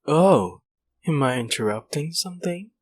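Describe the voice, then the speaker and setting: A man's voice: on the high side, lively intonation, normal speed, a little hiss or hum, natural voice. A man playing a hospital doctor in an audio roleplay, speaking in a formal, wordy, clinical manner. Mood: formal, measured. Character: male hospital doctor, formal and measured, delivering news. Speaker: guest voice actor.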